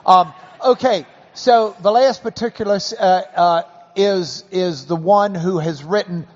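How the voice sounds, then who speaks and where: Folksy Texan man hosting in a hall. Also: high-pitched. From Texas. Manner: folksy and joking, slows things down to explain. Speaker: host. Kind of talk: live interview before a class. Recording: dull audio with long hall reverb.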